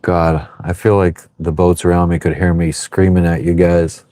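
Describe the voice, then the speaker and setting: A man in his thirties talks loosely to his livestream viewers from a sailboat at anchor, reading their comments and swearing as he goes. His voice sits a little low, and the sound is dry and close with no room around it. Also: level tone, normal speed, dark tone, dry recording. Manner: swears freely, chatty and offhand. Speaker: livestream host. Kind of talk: casual live chat reading viewer comments.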